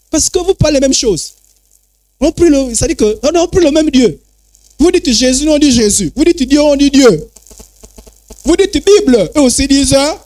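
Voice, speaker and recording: A man's voice: extremely high pitch, a little mellow, no room sound. A man preaching a sermon as an apostle, with emphatic repetition and call-and-response phrasing.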